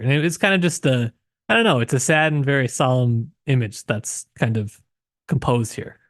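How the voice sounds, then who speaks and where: A man's voice: medium pitch, no room sound, studio quality. A man co-hosting a podcast, discussing a book casually and reflectively, often searching for his words. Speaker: podcast co-host.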